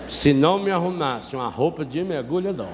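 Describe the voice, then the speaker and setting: A Brazilian Catholic priest preaching a sermon, telling a story with humor and asking the congregation questions. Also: male voice, on the high side, expressive, fairly quick. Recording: reverberant hall with faint noise.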